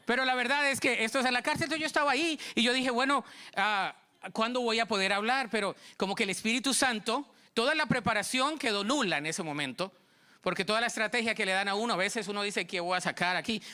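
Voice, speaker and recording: Bright, high Colombian preacher man. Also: smooth. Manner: storytelling, acting out dialogue, animated. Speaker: pastor. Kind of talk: sermon.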